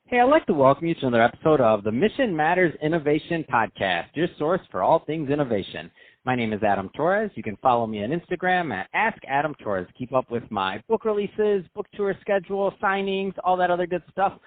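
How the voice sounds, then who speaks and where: A male podcast host speaking in an energetic, chatty, promotional way, with a narrow, phone-like recording. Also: fairly high pitch, a little fast, no echo. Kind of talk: upbeat podcast hosting and ad read.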